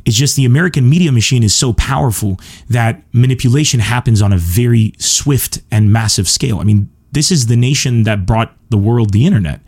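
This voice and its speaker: A man's voice: mid-range voice, brisk, hardly any pauses, darkish tone, husky. A man from Lebanon hosting a solo podcast, a stand-up comedian who talks in an earnest, emphatic, self-assured way. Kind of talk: solo podcast monologue answering listener questions.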